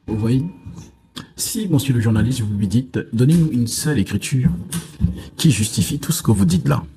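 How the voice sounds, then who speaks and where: A man's voice: mid-range voice, normal speed, gravelly, dark tone, slight background noise. A man from Africa speaking as a preacher in a televised religious debate, with a self-assured, boastful and dismissive manner.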